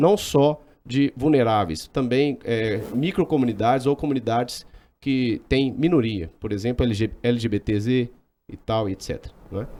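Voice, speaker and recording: A man talks at a moderate pace in a medium-pitched voice with a dark, mellow tone. The recording is very clean, with a silent background. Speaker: mayoral candidate. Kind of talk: political interview. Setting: TV studio. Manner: halting, many repetitions.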